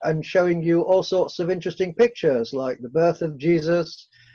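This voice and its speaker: Speaking with a British accent, a man uses a fairly high pitch, a moderate pace and fairly even intonation. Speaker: guest speaker. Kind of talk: interview.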